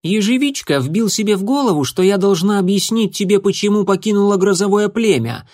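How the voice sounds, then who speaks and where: A man's voice: high voice, fairly quick, no room sound, clean studio sound, pitched above the performer's own voice. A man voicing a proud, defiant young female cat who speaks sharply and hisses when angry. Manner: sharp, hissing, indignant.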